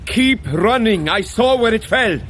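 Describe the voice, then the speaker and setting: Casting: earnest, hearty thunder god for audio adventure; high, swooping delivery, formal and declaiming, a touch dim. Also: male voice, animated, a little slow, a bit bright, a little hiss or hum. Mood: commanding, grave. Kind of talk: dramatised audio adventure for runners.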